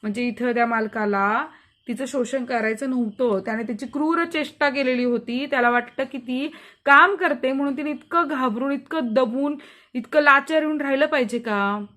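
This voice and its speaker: A woman's voice: high voice, normal speed, fairly bright tone. A woman teacher who reads a play aloud and explains it to her students. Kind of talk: lesson reading and explaining a play.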